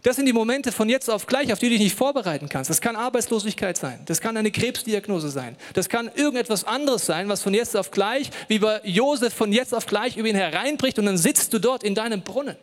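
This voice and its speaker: A man's voice: high-pitched, lively intonation, fairly quick, few pauses, long reverb tail. A male pastor giving a sermon in a church, speaking personally and directly to the listener and telling a story dramatically. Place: church hall.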